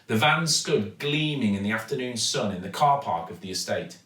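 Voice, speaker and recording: Give me a male storyteller with a bright, dramatic delivery for children, recorded in an echoey room. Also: on the low side, lively intonation. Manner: dramatic, deliberate emphasis. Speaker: actor reading a children's story. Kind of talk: expressive storybook narration. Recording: echoey room, distant microphone.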